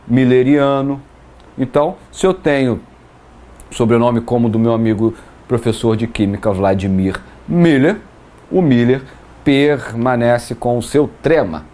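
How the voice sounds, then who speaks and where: A man teaching a grammar lesson, patiently explaining rules, listing example words and checking understanding with quick questions. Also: mid-range voice, darkish tone.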